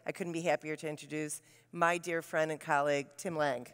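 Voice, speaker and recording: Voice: medium pitch, level tone, a little fast, over music. A conference presenter introducing the next speaker in an upbeat, loose way with fillers. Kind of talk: conference stage hosting. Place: large conference hall. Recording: long hall reverb.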